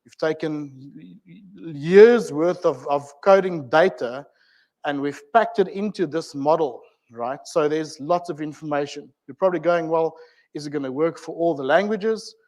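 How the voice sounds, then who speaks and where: A man's voice: a little high, a little slow, darkish tone, low-quality recording. A man with a South African accent giving an informal technical talk at a community meetup, chatty and filled with ums, uhs and asides to the audience. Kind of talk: informal tech presentation.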